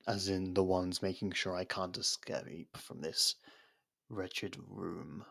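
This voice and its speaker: An actor playing a proud, defiant captured royal in an ASMR roleplay, speaking in a haughty, halting, dramatic way. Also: male voice, low-pitched, vocal fry, a bit bright, full character voice. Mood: bewildered, exasperated.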